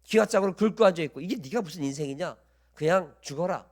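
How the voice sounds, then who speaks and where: A man's voice: on the high side, animated, quick pace. A preacher voicing a scornful wife who scolds and taunts her suffering husband.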